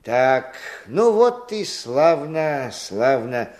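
A man's voice: mid-range voice, very animated, drawn-out words, darkish tone. An actor playing a hearty, eager village organiser in a radio drama, folksy and encouraging as he rallies the men. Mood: pleased, musing. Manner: folksy, encouraging, musing aloud. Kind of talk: Russian radio drama acting.

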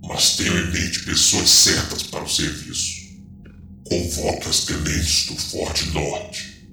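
Casting: a pompous audio-drama overlord, extremely low, forceful and menacing. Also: male voice, level tone, full character voice. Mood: smooth menace. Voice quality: gravelly. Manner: pompous, deliberate. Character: menacing commanding male villain overlord, slow and condescending. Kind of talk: audio drama villain acting. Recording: roomy reverb over music bed.

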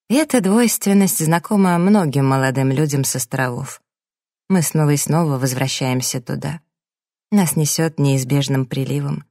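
A woman narrating a memoir in the first person, in a calm, reflective audiobook reading. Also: deep voice, dry recording, studio quality.

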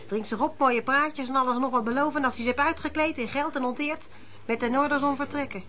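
Scornful, high-voiced gossip. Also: female voice, fast, sharp tone. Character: disapproving, gossiping woman, bitterly sarcastic. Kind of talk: Dutch radio drama acting.

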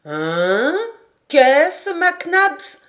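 A woman voicing an excitable, boastful male geographer who fires off names and protests loudly, in an audiobook reading. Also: fairly high pitch. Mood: indignant. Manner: rapid-fire, indignant exclamations.

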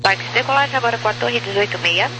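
A man's voice: very high voice, fast talker. A man with a Brazilian accent giving taxi instructions as a ground controller over the radio. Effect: radio transmission. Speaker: ground air traffic controller. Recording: noisy humming aviation radio.

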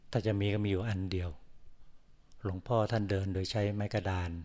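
At a forest monastery, a Buddhist monk delivers a dharma talk as a sermon in a low, mellow male voice. His tone stays even and level from start to finish. He speaks slowly in measured phrases, pausing often.

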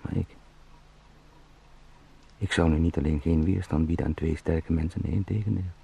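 An actor playing an anxious travelling salesman turned helpless beetle in a halting, introspective radio drama monologue that drifts into whispers. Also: rumbling low, steady tone, creaky, dark tone, breathy edge, heavily acted. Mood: pleading.

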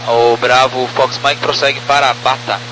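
A man's voice: medium pitch, flat delivery, normal speed, sharp tone, slight background noise, rough recording. A Brazilian man, a pilot, giving brief procedural reports and readbacks over aviation radio.

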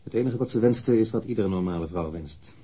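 An actor playing a blunt, candid man in his thirties, a witness answering police questions matter-of-factly in a husky voice in a radio drama. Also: on the low side, fairly quick, mellow. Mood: frank, blunt. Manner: matter-of-fact, precise, blunt. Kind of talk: radio drama interrogation acting.

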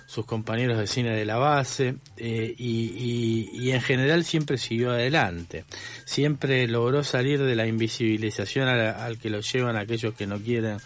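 A documentary film director with an Argentine accent, speaking reflectively in a radio studio interview and pausing often on filler sounds. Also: male voice, mid-range voice, steady tone. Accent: Argentine Spanish.

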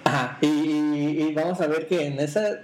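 A man, his voice sitting a little high. He hosts a relaxed podcast, teasing his co-host and stumbling over restarts as he jokes. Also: normal speed, a little hiss or hum, rough recording. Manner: teasing, playful, restarts a lot. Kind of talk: casual joking chat.

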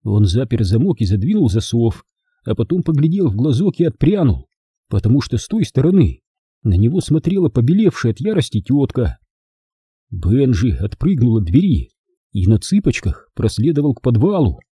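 A man narrating an audiobook in a lively, expressive storytelling manner. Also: medium pitch, normal speed, husky, dry recording, clean studio sound. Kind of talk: scripted narration.

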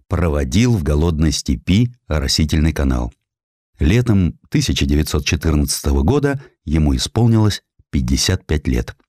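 Deep-voiced man narrating history, dry studio sound. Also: a little mellow, no echo. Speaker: audiobook narrator. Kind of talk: dramatic scripted narration of historical prose.

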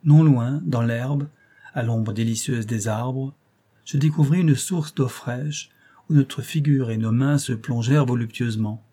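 Man with a mellow voice reading a novel. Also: medium pitch, measured pace, husky. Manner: expressive reading, lifting his voice for quoted speech. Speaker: audiobook narrator. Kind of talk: scripted narration of a classic novel.

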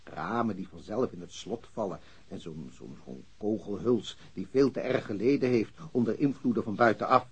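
An actor playing a senior police chief in a radio drama, formal, hesitant and patronizing. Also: male voice, on the low side, normal speed, breathy edge. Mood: awkwardly critical. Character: senior police chief, awkwardly breaking bad news to subordinate.

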